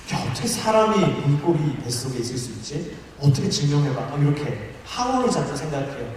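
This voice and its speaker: A man preaching to a college crowd, his voice pitched a little high and full of lively, joking storytelling. He sounds far from the mic, and long reverb rings around him in a big, echoey church hall. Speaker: pastor. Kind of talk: sermon to a college group. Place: large church auditorium.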